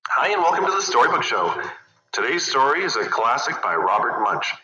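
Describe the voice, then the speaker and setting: A man hosting a storybook show, narrating a children's story in an animated, scripted read-aloud style. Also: medium pitch, a little fast, muffled recording.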